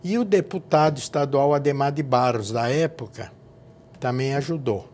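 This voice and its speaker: Older São man recalling, halting. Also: medium pitch, a little mellow. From São Paulo, Brazil. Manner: halting, repeats words while recalling. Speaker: guest, former state legislator. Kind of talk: interview reminiscence.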